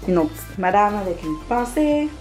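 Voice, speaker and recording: A woman's voice: mid-range voice, very animated, normal speed, a little mellow, soft background music. Chatty Québécois woman showing her planner. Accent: Québécois French. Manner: chatty, many fillers, laughs often. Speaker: planner vlogger. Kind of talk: casual show-and-tell.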